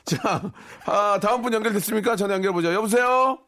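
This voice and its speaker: A man's voice: high-pitched, noisy background. A man in his forties hosting a radio show, joking and teasing his co-host and callers. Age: 40s. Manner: joking, fast, warm-hearted teasing.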